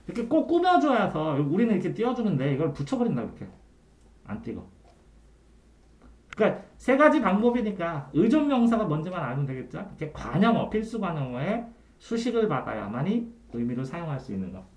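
Lively Korean man tutoring a student. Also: sits high, a little fast. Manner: quizzing the student with frequent checks for understanding; trailing off quietly at the ends of phrases. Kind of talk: one-on-one Korean grammar tutoring. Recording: echoey room.

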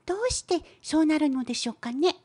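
A woman plays a cute cat-like helper in an educational cartoon. The voice is high and small. It speaks politely and inquisitively, with a gently cheeky streak. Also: expressive, fast talker. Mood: curious, cheeky. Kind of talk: scripted educational cartoon dialogue.

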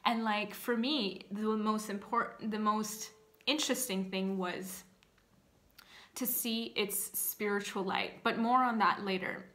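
A woman's voice: mid-range voice, steady tone, measured pace, fairly bright tone. Woman in her thirties from Canada, casual vlog storyteller, rambling with fillers, close webcam in a small room. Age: 30s. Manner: chatty, many fillers and restarts. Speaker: channel host. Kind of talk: casual personal storytelling to camera. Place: small indoor room, seated.

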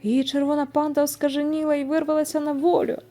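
A woman voicing a calm old grandmother in a storybook, firm and then consoling. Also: high voice, fast, faint music behind, pitched above the performer's own voice, natural voice.

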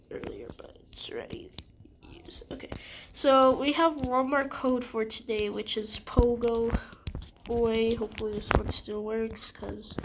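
A gaming channel host with a stuffy nose gives casual gameplay commentary, rambling and hesitant with many ums and restarts. Her voice is fairly high in pitch, with background noise in the recording.

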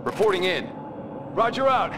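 An actor playing a fired-up infantry soldier barking short battlefield orders in a video game. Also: male voice, high-pitched, very animated, normal speed, distant mic, very noisy. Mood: alert, brisk. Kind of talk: video game unit barks. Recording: loud battlefield gunfire behind.

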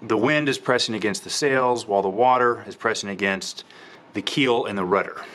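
A man's voice: lowish voice, moderate pace, a bit bright. A man in his forties, a sailing instructor, explaining the parts of a sailboat step by step, asking and answering his own questions. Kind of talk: hands-on instructional walkthrough. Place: outdoors on a small sailboat at a dock.

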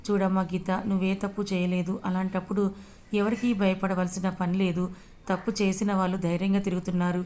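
A woman's voice: medium pitch, little pitch movement, fairly quick, a little mellow, natural voice. A woman voicing a loving, comforting mother in a read-aloud story, speaking tenderly.

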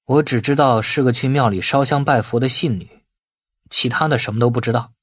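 A man's voice: medium pitch, a little fast, breathy edge, close to an everyday voice. A man voicing a wily, irritable, world-weary young man in an audiobook crime novel, talking in a colloquial, grumbling way. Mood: wry, subdued.

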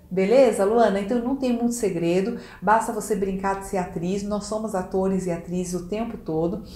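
Brazilian woman communication coach, mid pitch, animated delivery, reverberant room. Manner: expressive, demonstrative, checks in with tag questions. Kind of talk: casual instructional video talk. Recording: echoey room.

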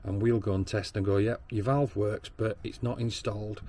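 A man's voice: fairly low pitch, fairly even intonation, normal speed, dark tone, a little hiss or hum. A man with a Northern English accent giving a practical plumbing training demonstration at a workshop bench, explaining step by step with frequent ums and restarts. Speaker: plumber and backflow tester.

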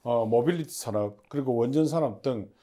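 A man giving formal, somewhat halting interview answers as the head of a public agency, as if partly reading prepared notes. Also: mid-range voice, mellow.

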